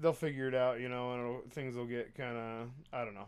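With an American accent, a man talks at a fairly quick pace and a medium pitch. His is an ordinary speaking voice. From Idaho, New Plymouth. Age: 30s. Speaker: stand-up comedian. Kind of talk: casual chat.

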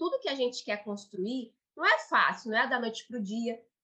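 A woman at a high pitch with a bright, sharp tone, ordinary pitch variation and a moderate pace. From Brazil, Curitiba. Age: 30s. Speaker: network marketing entrepreneur. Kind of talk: motivational talk.

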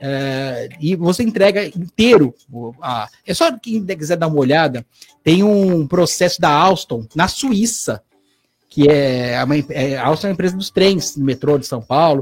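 Lively intonation marks this man's fairly high-pitched voice. He speaks at a fairly slow pace. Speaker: business director. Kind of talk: radio panel discussion.

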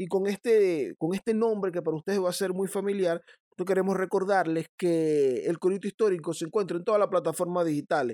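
At a moderate pace, a man speaks in a high pitch with a dark, mellow tone and ordinary pitch variation, the sound dry and close with no echo. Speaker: podcast co-host. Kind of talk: casual history chat. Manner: animated.

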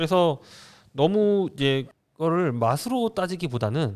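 A man's pitch moves through very wide swings on a very clean recording with a silent background. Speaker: podcast host of a coffee chat show. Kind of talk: casual chat. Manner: calm, gentle pace.

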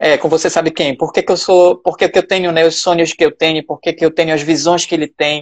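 High-pitched man at a fairly quick pace, monotone and flat, with hardly any pauses. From Brazil, Fortaleza. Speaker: religious community member, counselor. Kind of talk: casual chat.

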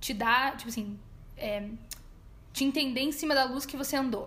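A woman speaks at a moderate pace in a high voice. The room echo is audible. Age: 20s. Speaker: psychologist. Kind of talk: casual chat.

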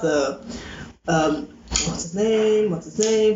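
A woman mumbles in an animated tone. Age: 20s. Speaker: podcast co-host. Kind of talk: casual chat. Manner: mumbles, repeats words; animated, laughs often.

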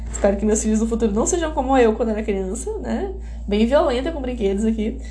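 A woman talks at a fairly quick pace. Noticeable background noise and audible room echo surround her. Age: 20s. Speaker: podcast host. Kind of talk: casual solo monologue. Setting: at home. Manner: halting, many fillers.

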